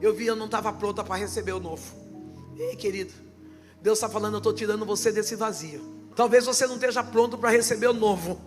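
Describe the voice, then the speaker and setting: A woman pastor preaching a sermon with passion, often swelling into shouts. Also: mid-range voice, quick pace, faint music behind.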